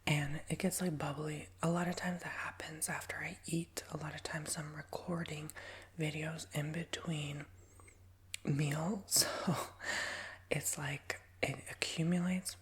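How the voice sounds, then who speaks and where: A man in his twenties with a nasal, raspy voice, giving a soft, rambling ASMR whisper with many fillers. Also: a little high, fairly even intonation, a little slow, a little hiss or hum. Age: 20s. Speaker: ASMR creator.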